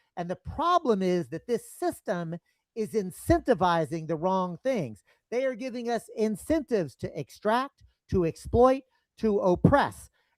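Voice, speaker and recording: A man with an American accent speaks at a fairly slow pace, with high pitch, very wide pitch swings and an animated tone. The recording is very clean and dry, with a close sound, no echo and a silent background. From rural Texas, Gulf Coast. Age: 60s. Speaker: podcast host. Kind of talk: casual interview chat.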